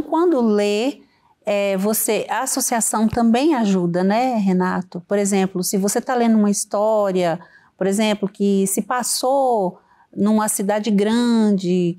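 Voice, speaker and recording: A woman's voice: medium pitch, warm tone. A woman, hosting an interview and asking long, searching questions. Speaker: interview host. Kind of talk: conversational interview.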